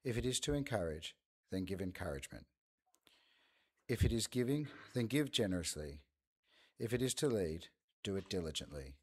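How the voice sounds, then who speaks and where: A man reading a passage of scripture aloud in a measured, even way. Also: sits low, breathy edge.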